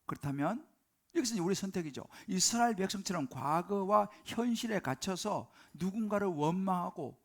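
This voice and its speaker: A man's voice: high voice, lively intonation, normal speed. A man preaching a live Sunday sermon as senior pastor, emphatic and full of rhetorical questions to the congregation. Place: church sanctuary during service.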